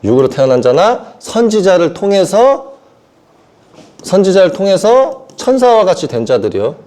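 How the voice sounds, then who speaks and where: Animated Korean preacher, mellow voice. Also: male voice, sits high, normal speed. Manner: animated storytelling, acting out voices of Jesus and Peter; asks the listeners if they understand. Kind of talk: sermon.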